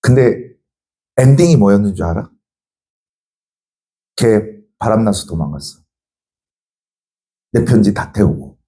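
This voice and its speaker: Lively Korean man telling a story. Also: fairly low pitch, unhurried, pauses often. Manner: animated, acts out both sides of a quarrel. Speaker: social studies teacher. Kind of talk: storytelling to students.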